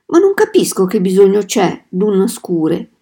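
Woman reading little farm girl, teary and pleading, mellow soft tone. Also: mid-range voice, big pitch swings, a little slow, creaky, husky, exaggerated voice. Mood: puzzled. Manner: tearful, insistent pleading. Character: eight-year-old farm girl, pleading and upset.

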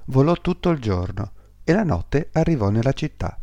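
A man reading a fairy tale aloud as narrator, measured storytelling. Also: medium pitch, big pitch swings, warm tone, dry recording.

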